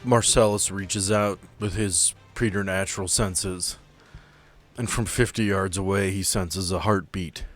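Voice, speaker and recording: A man's voice: sits low, fairly even intonation, a little slow, soft background music. A man acting as game master, narrating and refereeing a tabletop game in a casual, teasing way.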